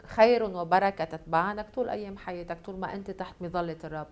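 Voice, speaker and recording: A woman's voice: on the low side, very fast. A woman with a Lebanese accent hosting a television faith talk show, preaching and encouraging her guest. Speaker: host.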